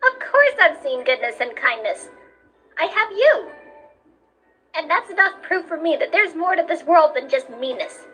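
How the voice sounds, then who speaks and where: A woman voicing a kind, hopeful, childlike skeleton brother in a cartoon comic dub, speaking in an earnest, pleading and animated way. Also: very high-pitched, moderate pace, soft background music, full character voice, rough recording.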